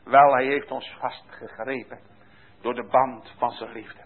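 A man preaching a sermon with passion, dropping to a hush and then rising loud again. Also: medium pitch, level tone, measured pace. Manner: impassioned, swinging from hushed to loud. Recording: tinny phone-like sound.

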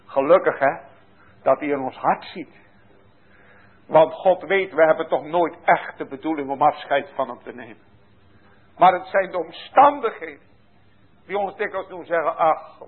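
A man preaching a sermon with passion, dropping to a hush and then rising loud again. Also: on the high side, lively intonation, moderate pace, long pauses, slightly rough. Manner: impassioned, swinging from hushed to loud. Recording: tinny phone-like sound.

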